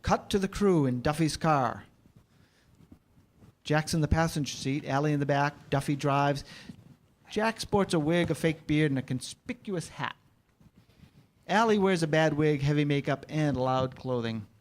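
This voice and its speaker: Higher-pitched male stage-direction narrator. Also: a little slow, long pauses. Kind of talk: scripted screenplay narration, staged reading. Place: live staged reading in a church.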